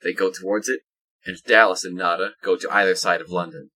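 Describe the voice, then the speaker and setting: A man's voice: sits low, fairly even intonation, brisk, bright, forceful tone, low-quality recording. A man reading scripted present-tense action narration for an audio drama.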